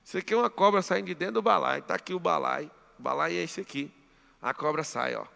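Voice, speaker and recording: A man with a Brazilian Portuguese accent leads a live motivational seminar, pressing his audience with emphatic commands. His voice sits high and is deeply gravelly, with a forceful, bright edge. Long reverb from the big hall trails each phrase. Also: quick pace. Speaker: mentor.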